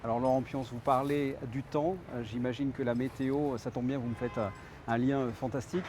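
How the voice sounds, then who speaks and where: A man's voice: medium pitch, fairly even intonation, a little fast, noisy background. A man with a French accent anchoring a local news broadcast, interviewing a guest with a chatty, hesitant manner full of fillers.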